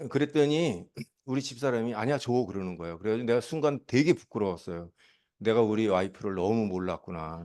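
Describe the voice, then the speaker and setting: A man talks at a very fast pace with lively intonation and a dark, mellow tone. His pitch is medium, and the background is quiet. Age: 70s. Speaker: retired army officer turning network-marketing speaker. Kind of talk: seminar talk. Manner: casual, conversational.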